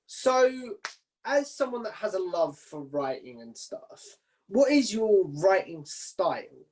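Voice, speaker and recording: A man's voice: high-pitched, very animated, slow pace, a little mellow, low-quality recording. Chatty man hosting an interview. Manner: informal, chatty. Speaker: podcast interviewer and host. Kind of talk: casual interview chat.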